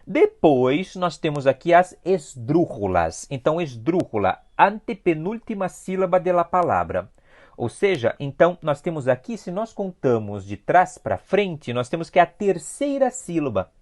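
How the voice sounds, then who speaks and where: Lively Brazilian teacher with patient check-ins. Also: medium pitch, normal speed. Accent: Brazilian Portuguese. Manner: patient, checks in often with a questioning "sim?"; explains step by step, repeating key points. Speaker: Spanish teacher. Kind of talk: online review class.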